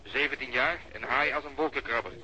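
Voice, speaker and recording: Man acting a radio drama cop, gruff, terse, cynical, rapid speech, noisy recording. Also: medium pitch, close to an everyday voice. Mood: grumpy, sardonic. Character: grumpy, cynical male police detective.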